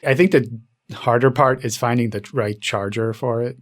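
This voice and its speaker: A man with an average-pitched voice joins a casual podcast chat. His delivery is playful and questioning, in the easy style of banter. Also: normal speed. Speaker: podcast guest or co-host.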